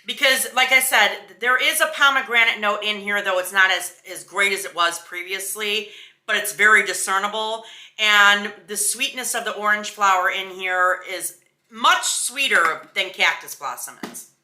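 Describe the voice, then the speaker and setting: Woman, very bright forceful voice, emphatic and sassy, casual beauty reviewer, roomy echo. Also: mid-range voice, normal speed. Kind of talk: casual chatty product review.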